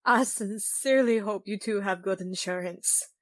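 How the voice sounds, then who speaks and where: A woman's voice: mid-range voice, moderate pace, no echo, natural voice. A woman playing a composed, protective female computer program in an audio drama, with matter-of-fact delivery.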